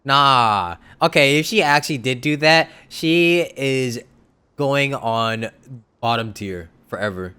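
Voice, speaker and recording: A man's voice: mid-range voice, slow, bright, forceful tone, smooth. A young man giving casual, informal live commentary as he streams a game, reacting aloud.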